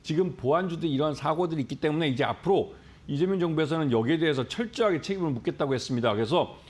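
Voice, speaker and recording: Slightly high-voiced male market analyst. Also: expressive, quick pace. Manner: earnest, explains at length. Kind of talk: explanatory commentary.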